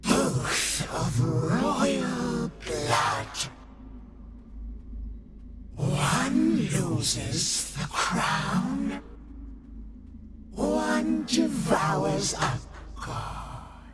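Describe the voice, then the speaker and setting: A woman voicing an ancient, cryptic, imperious spirit in a video game, with breathy, oracular delivery. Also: mid-range voice, very animated. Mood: ominous, commanding. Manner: oracular, drawn-out phrasing. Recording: long reverb, music behind. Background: game music.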